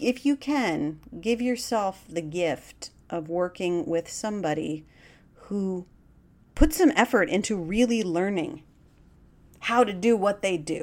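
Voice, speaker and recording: A woman's medium-pitched voice with very wide pitch swings and long, frequent pauses. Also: fairly slow pace. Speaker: podcast host and author. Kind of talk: casual monologue with guided breathing. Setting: home recording. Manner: rambling, conversational; soothing, gentle.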